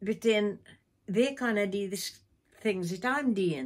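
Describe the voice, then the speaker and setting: A woman in a northeast Scottish accent, medium in pitch and somewhat breathy, with lively intonation at a fairly slow pace, on a very clean recording with a silent background. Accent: north-east Scots (Doric). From Scotland, north-east, Fraserburgh area. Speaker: gansey knitter. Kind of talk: interview. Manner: halting.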